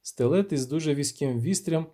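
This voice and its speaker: Dark-toned male storyteller. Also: fairly high pitch, moderate pace. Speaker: audiobook narrator. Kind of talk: scripted fantasy narration.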